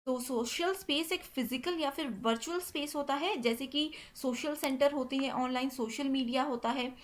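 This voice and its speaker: A woman's voice: sits high, normal speed, slight background noise. A young woman teaching an online exam-prep lecture in Hindi mixed with English terms, checking in with "theek hai" after nearly every point. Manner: repeats "ठीक है" constantly, mixes English terms into Hindi.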